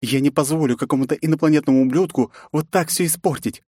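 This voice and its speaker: A man's voice: fairly high pitch, normal speed, a little mellow, slightly rough, dry recording, clean studio sound, voice pushed up. A man voicing a fierce, defiant young princess in an audiobook, raising his voice to play her. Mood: determined. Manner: mocking, defiant.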